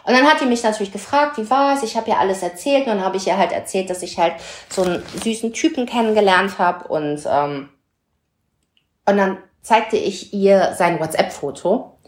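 A woman chatting casually on a podcast, telling a story in an animated way and acting out the dialogue. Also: mid-range voice, moderate pace, roomy sound.

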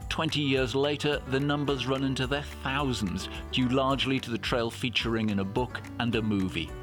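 A man with an English accent, narrating a hiking podcast in a measured, conversational way. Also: medium pitch, steady tone, music in the background. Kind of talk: documentary narration and travel diary.

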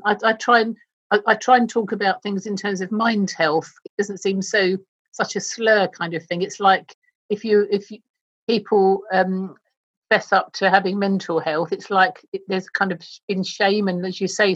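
A woman's voice: mid-range voice, fairly even intonation, normal speed, dull audio. Chatty woman hosting an interview. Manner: chatty, repeats words when starting questions. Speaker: interviewer, host. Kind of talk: radio interview.

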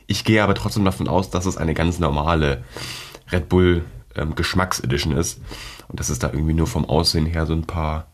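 A man's voice: very deep voice, steady tone, fairly quick. A teenage boy hosting his own podcast, talking in a rambling, slangy, casual way while sick with a cold and coughing now and then, close to his microphone. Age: teens. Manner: rambling, slangy, many fillers. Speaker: podcast host. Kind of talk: casual solo podcast chat. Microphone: close podcast mic.

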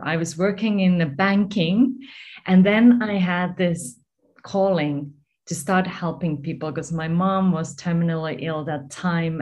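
A woman's voice: on the low side, darkish tone. A middle-aged woman from Finland with a Finnish accent, telling her personal story earnestly as a podcast guest. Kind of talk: casual interview answers.

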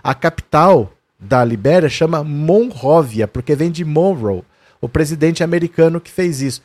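A man's voice: on the high side, animated, moderate pace, a little mellow, no room sound. A man with a Brazilian Portuguese accent explains history conversationally and shows documents to the viewer. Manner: quotes historical figures in a raised voice. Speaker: history presenter.

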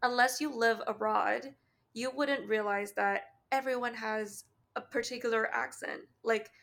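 Deep, fry-heavy Canadian woman. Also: fairly even intonation, fairly bright tone. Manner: long pauses, candid and swearing. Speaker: podcast co-host. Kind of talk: casual chat.

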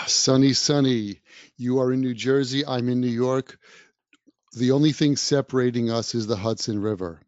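A male English teacher offers encouraging podcast advice, addressing the listener directly. His voice is medium in pitch with a steady tone and a moderate pace. The recording has no echo and sounds dull, dry and slightly lo-fi.

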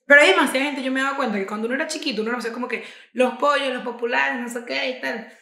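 A woman's voice: high voice, racing. A young woman with a Venezuelan accent telling slangy stories in casual podcast chat, acting out quotes as she goes. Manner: lively storytelling, acts out quotes, slangy. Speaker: podcast co-host. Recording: roomy echo.

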